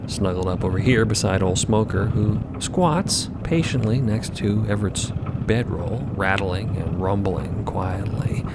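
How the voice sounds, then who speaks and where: Man, lowish voice, very slow dramatic story narration, conversational touches, heavy rumbling ambience. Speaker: podcast narrator and host. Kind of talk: theatrical fiction podcast narration. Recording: loud ambient rumble behind voice.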